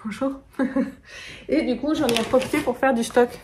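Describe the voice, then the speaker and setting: Chatty French beauty vlogger, woman in her thirties, slightly high voice, light background hiss. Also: fairly even intonation, moderate pace. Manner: chatty, laughs often, many fillers. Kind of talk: casual vlog chat. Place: home, indoors.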